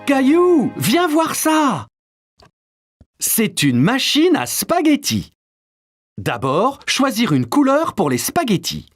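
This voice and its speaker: Cheerful cartoon dad, big swoopy intonation, a bit raspy, kids show music behind. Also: male voice, very high-pitched, huge pitch swings, slow, exaggerated voice. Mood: cheerful, playful. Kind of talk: French-dubbed preschool cartoon acting.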